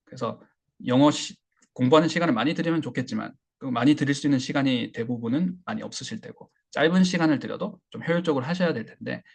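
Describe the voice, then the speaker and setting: Male instructor, gravelly and husky, mid-pitched; relaxed lecturing with fillers. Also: fast talker. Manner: relaxed, explanatory, many fillers and restarts. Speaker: English listening instructor. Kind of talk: online class lecture.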